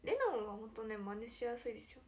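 A young woman chatting casually on her livestream with a slightly high-pitched voice. She is giggly and animated, and she often drops to a near-whisper. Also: fast talker. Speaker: idol livestream host.

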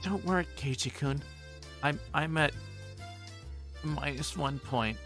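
A man voicing a gentle, flustered teenage schoolgirl in a visual novel, with hesitant delivery. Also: on the high side, takes it slowly, faint music behind, voice pushed up.

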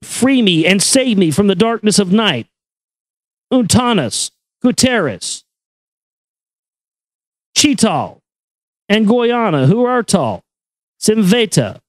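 A man giving a solemn, measured reading of an esoteric text in an incantatory, deliberate manner. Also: high voice, no room sound. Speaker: reader and commentator. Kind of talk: solemn recitation of an esoteric text with brief asides.

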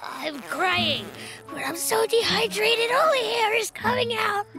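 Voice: high-pitched, lively intonation, normal speed, over music. A performer voicing a whiny, melodramatic young boy in a cartoon, easily exasperated and theatrical. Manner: melodramatic complaining. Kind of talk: cartoon voice acting.

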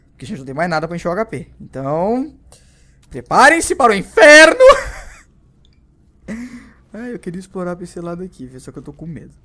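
A young man with a Brazilian accent commentating his gameplay, who swears constantly and yelps and shouts whenever he is startled. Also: on the high side. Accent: Brazilian Portuguese. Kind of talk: let's play commentary.

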